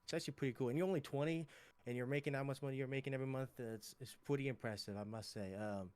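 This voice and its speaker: Fast-talking, upbeat man on a call. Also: mid-range voice, fairly even intonation, darkish tone, clean tone. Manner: upbeat, chatty, lots of fillers. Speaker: caller. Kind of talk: casual call, asking questions.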